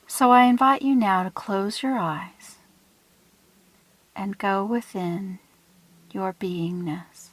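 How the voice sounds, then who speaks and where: A woman leads a guided meditation at a very unhurried pace. Her delivery is soothing and hushed, with phrases that trail off into breath. The recording is dry and close, with little room sound. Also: medium pitch, no echo, rough recording.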